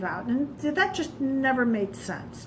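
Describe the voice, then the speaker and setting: Amid noticeable background noise and audible room echo, a woman talks at a moderate pace with ordinary pitch variation. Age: 60s. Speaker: EFT tapping practitioner. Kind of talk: interview testimony. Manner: halting.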